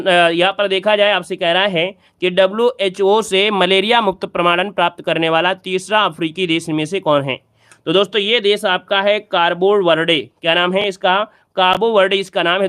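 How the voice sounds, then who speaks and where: High, smooth-voiced exam tutor. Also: male voice, a bit bright. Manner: repetitive, quizzing the viewer and repeating key answers. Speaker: exam-prep teacher. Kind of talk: exam practice lesson.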